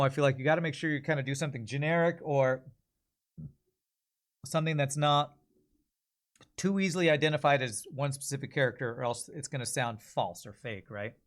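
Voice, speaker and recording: A man chatting casually as a livestream host, rambling and thinking out loud as he goes. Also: fairly high pitch, fairly quick.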